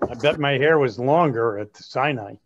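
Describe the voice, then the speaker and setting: A man's voice: mid-range voice, normal speed, a little hiss or hum, natural voice. A man playing a wry Jewish grandfather in a readers' theatre piece on a muffled video call. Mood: wry, appreciative.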